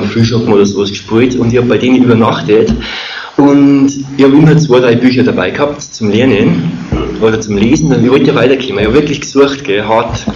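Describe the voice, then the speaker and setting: Austro-Bavarian man in a muffled, echoey recording. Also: mid-range voice. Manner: rambling, halting, colloquial. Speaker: speaker telling a personal testimony. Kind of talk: informal personal storytelling. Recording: muffled, echoey room with clear noise.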